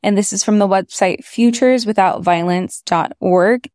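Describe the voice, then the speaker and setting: A woman's voice: medium pitch, moderate pace, darkish tone, no room sound, clean studio sound. A woman co-hosting a podcast, explaining background information to listeners. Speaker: podcast co-host.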